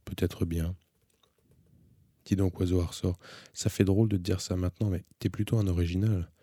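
A man's voice: low voice, fairly even intonation, moderate pace, mellow, no echo, studio quality. A man reading an audiobook, voicing a blunt, teasing teenage girl who fires insistent, needling questions. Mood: mocking.

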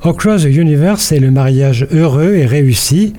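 Older french guy doing a culture bit on local radio, mellow voice, playful storyteller. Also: on the high side, expressive, normal speed. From France. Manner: playful storytelling, quizzing the host. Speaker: culture columnist. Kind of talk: radio chronicle, partly read.

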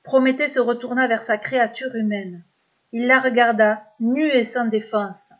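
A woman narrates a serialized children's myth with expressive, measured storytelling. Her voice sits fairly high. The recording sounds dull and lo-fi.

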